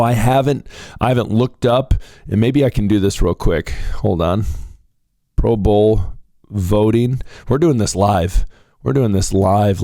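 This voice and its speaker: A hoarse young man, getting over a cold, hosting casual solo sports commentary in an excitable, rambling way and calling his viewers ladies and gentlemen. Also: fairly low pitch, dry recording, studio quality. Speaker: sports talk show host.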